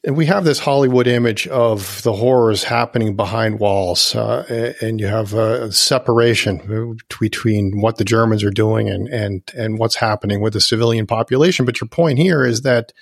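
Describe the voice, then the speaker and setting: A man's voice: on the low side, moderate pace, gravelly, hardly any pauses, dry recording, studio quality. A man hosting an interview who asks long, rambling questions and thinks aloud. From United States. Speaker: interviewer host.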